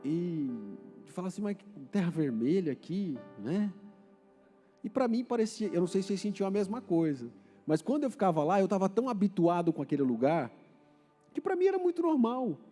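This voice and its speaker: In a big-sounding church hall with soft music underneath, a man from Paraná delivers a sermon in Brazilian Portuguese with the local accent. He sounds high, mellow and very animated, going a little fast while chatting with the congregation and putting questions to them.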